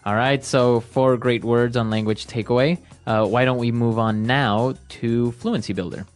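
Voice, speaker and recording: A man co-hosting a podcast lesson in a loose, conversational way, moving things along with little "all right"s and "very good"s. Soft music plays faintly underneath. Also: medium pitch, fairly even intonation, moderate pace. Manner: leads segments with frequent "all right" and "very good". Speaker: podcast co-host, English teacher. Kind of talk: casual teaching chat.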